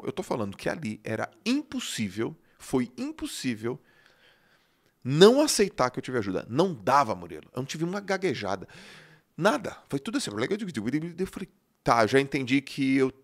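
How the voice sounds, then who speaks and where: Animated male podcast host telling a story. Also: medium pitch. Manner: animated storyteller, swings between loud and hushed, casual swearing. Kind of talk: podcast conversation, personal storytelling.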